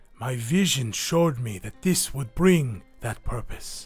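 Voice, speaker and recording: Faint music plays in the background as a man uses a put-on character voice. His pitch is medium and his pace fairly slow. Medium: actual play. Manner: measured, commanding.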